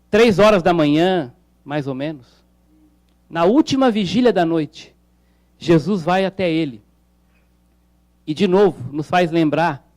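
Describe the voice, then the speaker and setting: Man, pastor, conversational sermon, light jokes, high voice. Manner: conversational preaching with jokes and rhetorical questions.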